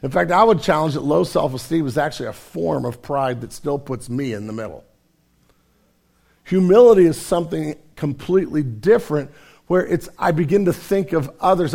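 A male pastor preaching a sermon, hoarse and raspy from a cold, earnest and self-deprecating in a conversational way. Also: fairly high pitch, darkish tone.

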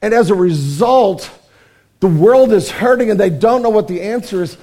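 A middle-aged pastor preaching in a church, his voice raspy and hoarse, earnest and emphatic with many repetitions. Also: high voice, expressive, normal speed, dark tone. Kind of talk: sermon. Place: church sanctuary.

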